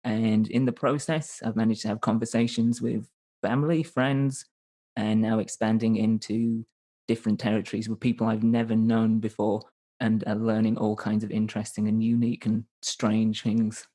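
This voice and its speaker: A man's voice: lowish voice, level tone, moderate pace, dark tone, rough recording. A man in his thirties from Northern England with a Northern English accent, a podcast guest talking in a loose, rambling way with frequent restarts. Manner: rambling, self-correcting, with frequent restarts and hedges. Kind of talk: casual conversational interview.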